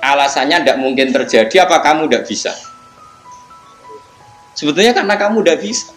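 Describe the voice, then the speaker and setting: A man's voice: on the high side, expressive, a little fast, fairly bright tone, reverberant, faint music behind. A middle-aged man with a Javanese accent giving a religious lecture, putting questions to his listeners and answering them himself. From Central Java, Indonesia. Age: 50s. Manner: switches between Indonesian and Javanese, asks the audience questions and answers them. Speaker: Islamic preacher.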